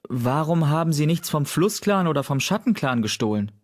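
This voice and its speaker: A man's voice: a little high, sing-song, normal speed, pitched above the performer's own voice. A man voicing a bold, curious young female kitten in an audiobook. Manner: bold questioning.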